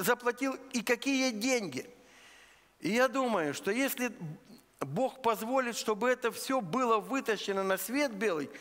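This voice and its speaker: A man from eastern Ukraine preaching a sermon in a church, earnest and deliberate, laying out his points one by one. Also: very high-pitched, fairly bright tone. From Luhansk region, Ukraine. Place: church sanctuary. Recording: long church hall reverb.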